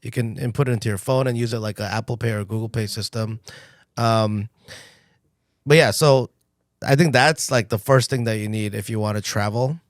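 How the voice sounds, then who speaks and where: Hombre conversador, seco y cercano. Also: male voice, fairly low pitch, moderate pace, no echo, studio quality. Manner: animated storytelling, frequent ums. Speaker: podcast host. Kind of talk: casual podcast chat.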